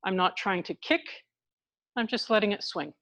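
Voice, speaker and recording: A woman leading an exercise class through a face mask, talking calmly step by step as she demonstrates each move. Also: medium pitch, moderate pace, no echo. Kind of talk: live exercise instruction, demonstrating while explaining. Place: indoors in a hospital building.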